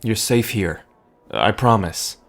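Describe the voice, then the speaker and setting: A man playing a gentle, nervous bartender who rambles earnestly and hesitantly, in an intimate audio drama. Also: on the low side, lively intonation, slow, vocal fry, soft background music, heavily acted. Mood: protective, soothing. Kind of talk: intimate audio drama acting addressed to listener.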